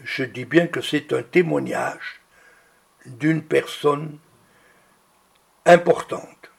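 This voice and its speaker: A man preaching a sermon, reading out healing testimonies in a slow, deliberate way. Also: on the high side, creaky, husky.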